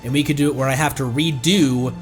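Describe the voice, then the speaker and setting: A man's voice: medium pitch, fairly even intonation, a little fast. A man giving casual live gameplay commentary as a streamer, chatty and thinking aloud. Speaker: video game streamer. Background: faint game music.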